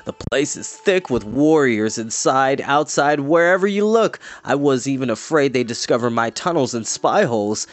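A man voicing a melancholy, fretful fairy-folk creature with drawn-out, sighing, hesitant delivery in a storybook reading. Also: medium pitch, animated, lightly acted. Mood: anxious, mournful.

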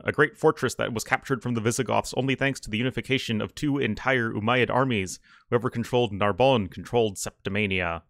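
A man hosting a strategy game video, reading mission text aloud in a relaxed, chatty way. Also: medium pitch, no room sound, clean studio sound. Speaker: gaming channel host. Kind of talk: let's play commentary.

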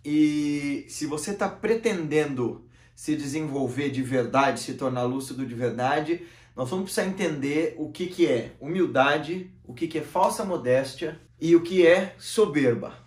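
A man in his thirties from Brazil, hosting his channel with an expressive, gesturing monologue to camera from a room with bookshelves. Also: measured pace. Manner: expressive, gesturing, shifting volume and pitch often. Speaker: channel host. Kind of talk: animated philosophical monologue to camera. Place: small room with bookshelves, seated in armchair. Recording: roomy echo.

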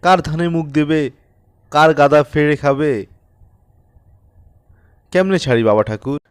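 A man's voice: fairly high pitch, lively intonation, a little slow, clear, resonant tone, dry recording, studio quality. A man voicing a poor, humble peasant father in an audiobook story, pleading in a deferential, plaintive way. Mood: helpless, pleading.

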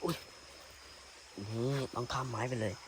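A man's voice: medium pitch, steady tone, unhurried, slight background noise. A man talking casually to his viewers on a phone as he walks through a rainy forest, chatty and uneasy. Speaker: vlogger. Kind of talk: casual walking vlog to viewers. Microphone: handheld phone. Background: insects and rain ambience.

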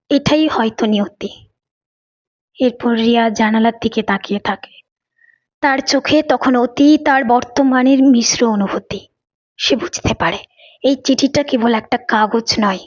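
A woman storyteller reading a scripted dramatic audio story. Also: fairly high pitch. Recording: dull lo-fi recording.

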